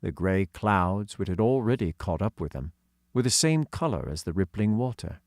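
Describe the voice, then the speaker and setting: Expressive male audiobook narrator. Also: low voice, normal speed, no room sound, clean studio sound. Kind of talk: scripted story narration.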